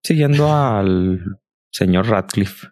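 A man's voice: low-pitched, animated, takes it slowly, darkish tone, no room sound, clean studio sound. A young man co-hosting a podcast, throwing in wry joking asides. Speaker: podcast co-host. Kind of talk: casual banter.

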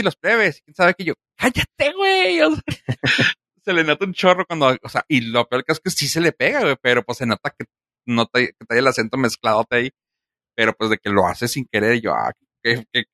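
A man's voice: fairly low pitch, pushed and bright, no echo, studio quality. A man with a Mexican Spanish accent, chatting casually as a podcast co-host in colloquial, slangy language. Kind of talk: casual chat.

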